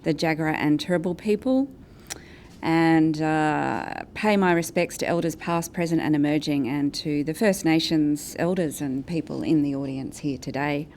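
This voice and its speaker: An Australian woman giving a prepared conference presentation as a guest speaker, in a measured, structured way. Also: sits low, darkish tone, slight background noise. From Australia, New South Wales and Brisbane. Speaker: guest speaker, advocacy and communications director. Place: event venue with an in-person audience.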